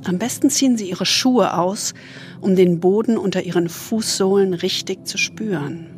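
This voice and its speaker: A woman leads a guided meditation in a soft, soothing spa manner, leaving long pauses and trailing into breathiness. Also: medium pitch, soft background music. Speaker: host guiding a relaxation exercise.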